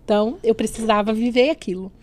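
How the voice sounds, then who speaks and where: With slight noise in the background, a woman with a fairly high voice speaks quickly as she shares a moving faith story on a studio podcast. She reenacts dialogue from memory and frequently uses tag questions and softening fillers.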